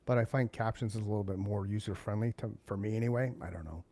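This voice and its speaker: A man's voice: on the low side, warm tone, no room sound. A man co-hosting a casual live podcast, upbeat and jokey as he chats with a guest. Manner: upbeat, jokey, fast-talking. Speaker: podcast co-host.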